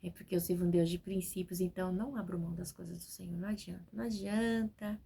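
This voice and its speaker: A woman's voice: on the low side, fairly even intonation, fast talker, vocal fry, dark tone, slight background noise. A woman in her forties, a preacher, speaking from home and giving a spontaneous, talkative testimony sermon that is full of "né?". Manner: spontaneous, talkative, keeps adding "né?".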